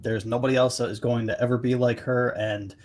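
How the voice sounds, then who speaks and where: A man's voice: medium pitch, little pitch movement, fairly quick, darkish tone. A man chatting casually as a co-host on a podcast.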